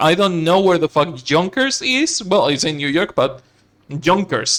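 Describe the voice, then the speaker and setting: A man speaks in a high pitch with a non-native accent. His intonation is lively. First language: not English. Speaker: gaming streamer. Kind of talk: let's play commentary. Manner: casual, reads game text aloud.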